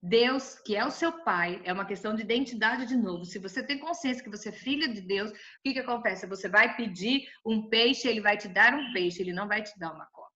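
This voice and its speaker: A woman with a Brazilian Portuguese accent teaching a Bible study in a colloquial, lively way, with playful asides. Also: mid-range voice, brisk, hardly any pauses, highs cut off.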